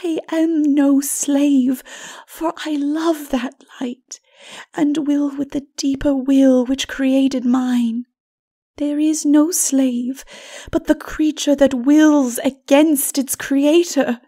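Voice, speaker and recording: A woman voicing a sorrowful, righteous holy woman in a dark fantasy audiobook, breathy and often near a whisper, solemn and pleading. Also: high-pitched, steady tone, slow. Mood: stern compassion.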